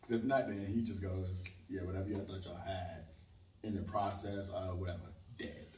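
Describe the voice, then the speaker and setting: Low-voiced young man in an echoey room. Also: moderate pace, a little hiss or hum. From Israel. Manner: animated, emphatic, leans on filler "like". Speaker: interview guest. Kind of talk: casual conversational interview. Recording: roomy sound, mic at a distance.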